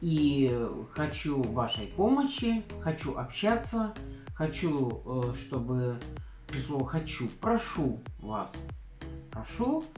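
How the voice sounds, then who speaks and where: Over clear background music, a woman talks at a very slow pace, leaving long, frequent pauses. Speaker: vlogger. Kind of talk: casual talk to camera. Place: home room. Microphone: phone near.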